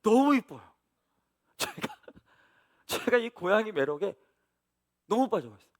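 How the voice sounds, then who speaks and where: Male pastor, middle-aged, high and animated, storytelling sermon to the congregation. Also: measured pace. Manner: storytelling with lively asides to the congregation.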